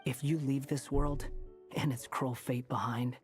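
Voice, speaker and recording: A man's voice: mid-range voice, steady tone, unhurried, close to an everyday voice. A man playing a proud, aloof young man in a video game, dry and scornful in manner. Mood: dry envy. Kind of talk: video game character acting. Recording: game music behind.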